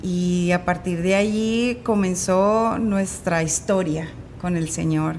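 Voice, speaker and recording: A woman's fairly low voice at a very slow pace, fairly even in intonation, with audible room echo and noticeable background noise. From Colombia, Manizales. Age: 50s. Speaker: pastor. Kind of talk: testimony.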